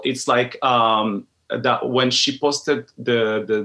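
A man's voice: medium pitch, a bit bright. Man talking on a video call. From Morocco. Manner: hesitant, many restarts and fillers. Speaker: entertainment reporter. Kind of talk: casual interview answers. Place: home room with a painting behind.

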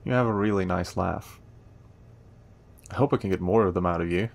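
A man acting a friendly, playful, eager young cafe helper in a romance audio roleplay, teasing and warm in a conversational way. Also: deep voice, brisk, gravelly. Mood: warm, earnest.

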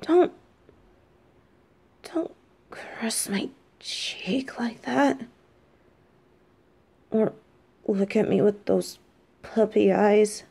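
A woman acting the part of a hot-tempered, sarcastic mafia boss with a soft side in an audio roleplay. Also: medium pitch, very slow, vocal fry, long pauses, breathy edge, full character voice. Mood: flustered, tender. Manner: dry, threatening, sarcastic, dramatic sighs.

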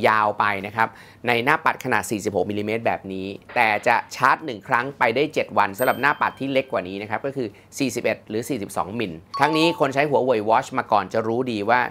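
A man presenting a smartwatch review in a chatty, lively way, with many polite fillers. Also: mid-range voice. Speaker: tech reviewer.

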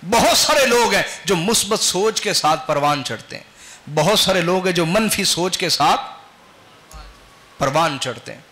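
Sharp-voiced male preacher quizzing listeners. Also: sits high, expressive, unhurried. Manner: quizzes the audience with rhetorical questions. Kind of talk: sermon.

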